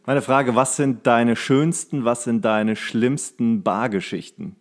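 Young guy on a podcast, average pitch, rambling and kidding around w his buddy. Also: steady tone, takes it slowly. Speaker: podcast co-host. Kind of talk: casual banter, storytelling.

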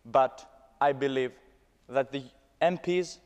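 A man's voice: mid-range voice, slow, a little mellow, clean tone, lo-fi sound. A young man with a Greek accent, a student speaking his opinion from the floor, emphatic and repeating phrases. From Greece. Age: young adult. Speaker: student audience questioner. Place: large parliament chamber. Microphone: desk microphone, standing. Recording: echoey large hall, long reverb.

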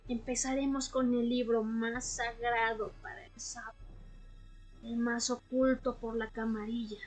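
Woman playing patient vampire scholar, radio drama, higher female voice, very slow solemn delivery. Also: level tone, soft background music, natural voice. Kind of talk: Spanish-language amateur radio drama acting.

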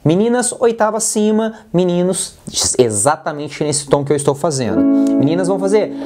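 A man's voice: high voice, expressive, normal speed, over loud music. A man with a Brazilian Portuguese accent teaching a singing lesson, coaching in a direct, playful way and demonstrating sounds. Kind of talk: vocal lesson with exercises.

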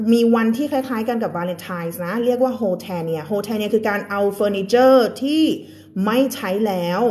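A Thai-accented woman teaches English on a live stream, reading a storybook slowly and carefully before explaining it in fast, chatty Thai. She laughs often and greets viewers by name. Her voice is medium-pitched with a darkish tone.

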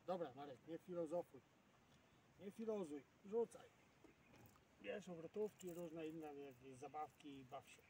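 Guy fishing outside, kinda high voice, rambles to himself in bits, far from mic w lots of noise. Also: unhurried, mellow. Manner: rambling, talks to himself in short fragments. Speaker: fishing vlogger. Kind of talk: casual muttering to himself while fishing. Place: outdoors at a fishing spot, windy. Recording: noisy outdoor recording, far from the mic.

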